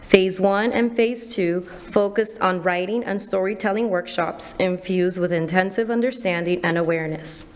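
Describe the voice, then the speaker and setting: A woman on district staff reading a prepared program summary to a board in a steady, formal way. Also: lowish voice, moderate pace, few pauses.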